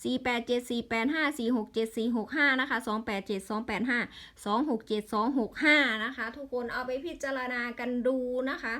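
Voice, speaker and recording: A woman's voice: fairly high pitch, fairly quick, few pauses, a bit bright. A woman with an Isan accent in a casual vlog, rattling off lottery number strings and breaking into exasperated grumbles.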